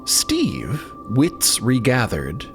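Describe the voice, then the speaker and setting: A woman's voice: extremely low pitch, wildly swooping pitch, extremely slow. A woman narrating a scripted audio drama in a dramatic storytelling style. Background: music.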